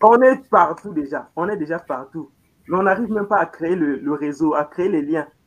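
Lively intonation from a man at a high pitch and moderate pace. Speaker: radio host. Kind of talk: radio talk show.

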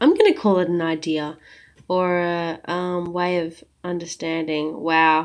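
A woman talks in an Australian accent, her pitch fairly low. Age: 20s. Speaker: podcast host. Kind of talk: casual chat; reading aloud. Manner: animated.

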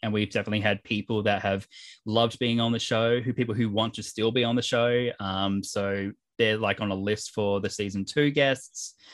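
A man speaks with an Australian accent at a moderate pace. His pitch sits fairly low. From Perth, south of the river. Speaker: podcast host. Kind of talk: casual chat. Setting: video call. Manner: animated.

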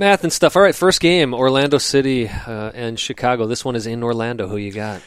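A man with an ordinary speaking voice and medium pitch talks at a fairly quick pace with lively intonation and hardly any pauses. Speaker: sports radio co-host. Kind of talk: casual chat.

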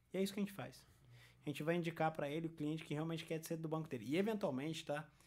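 His voice sits at a fairly high pitch for a man, with ordinary variation in pitch. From Minas Gerais, Brazil (small town in the south). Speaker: digital business founder and CEO. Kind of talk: casual podcast interview.

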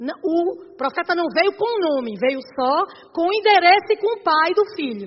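This woman's voice swings very widely in pitch as she speaks at a fairly slow pace. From Northeast Brazil. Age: 50s. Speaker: preacher. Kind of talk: sermon. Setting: church.

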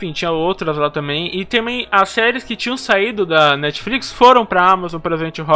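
Over noticeable background noise, a man with a high pitch raises and projects his voice, using lively intonation at a moderate pace. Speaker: podcast host. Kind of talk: casual chat.

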